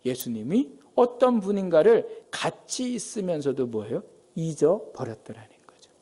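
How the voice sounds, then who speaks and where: A middle-aged male pastor preaching a sermon in a lively way, often asking the congregation questions. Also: on the high side, moderate pace.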